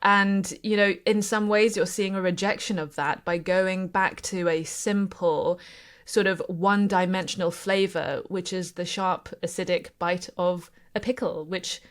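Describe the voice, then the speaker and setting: A woman's voice: on the low side, fairly even intonation, measured pace. A woman from Indonesia and Singapore, a panelist on a news podcast, talking in a thoughtful, hesitant way with many restarts. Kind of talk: casual chat.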